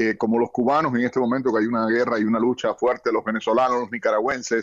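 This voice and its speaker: Recorded dry and close with no echo over a quiet background, a man speaks at a medium pitch. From Cuba. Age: 50s. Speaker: journalist and broadcaster. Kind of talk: interview. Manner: animated.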